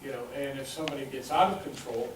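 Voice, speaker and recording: Measured council member in an echoey chamber. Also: male voice, mid-range voice. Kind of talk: meeting discussion. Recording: very echoey chamber audio from far off with clear hiss.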